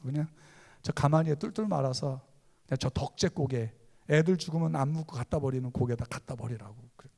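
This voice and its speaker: A male pastor from Gangwon Province in Korea, preaching a sermon with animated, humorous storytelling. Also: fairly high pitch, vocal fry. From Gangwon Province, South Korea.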